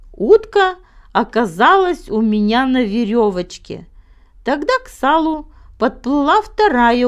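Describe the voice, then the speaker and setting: A woman tells a children's story in a somewhat high voice. Her delivery is very slow and deliberate, with dramatic pauses. The intonation is lively and rises and falls widely as she narrates. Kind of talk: scripted children's fairy tale narration.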